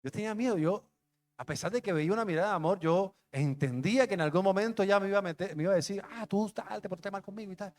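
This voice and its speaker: A man's voice: high-pitched, fast talker. A young adult man, a pastor, telling a personal testimony in a conversational, emotional sermon. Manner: conversational, emotional storytelling with street slang.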